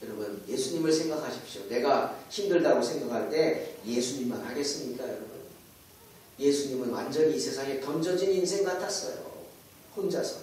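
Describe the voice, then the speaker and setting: A man's voice: mid-range voice, a little fast, a little mellow, a little hiss or hum. Male pastor, sermon, dramatic, rhetorical questions, distant mic, very echoey church. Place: church sanctuary.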